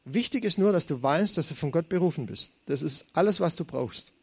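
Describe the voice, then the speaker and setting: A young man delivers a sermon in a chatty, animated way, often slipping into quoted voices. His voice sits a bit high for a man. The recording is dry and close, with almost no room sound. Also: a little fast, vocal fry, breathy edge, dry recording. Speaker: preacher.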